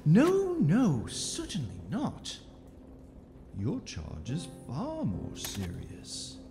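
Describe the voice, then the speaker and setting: Theatrical stern magistrate, wildly swooping pitch. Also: male voice, wildly swooping pitch, drawn-out words, creaky, over music, exaggerated voice. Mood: stern, accusing. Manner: formal, theatrical, grave. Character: stern, condescending magical authority passing judgement. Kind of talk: audio drama acting.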